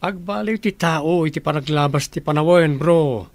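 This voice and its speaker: A man's voice: fairly high pitch, moderate pace, no room sound, lightly acted. A man with an Ilocano accent, playing a casual young friend in a radio drama. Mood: breezy. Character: breezy young male friend who calls others bro.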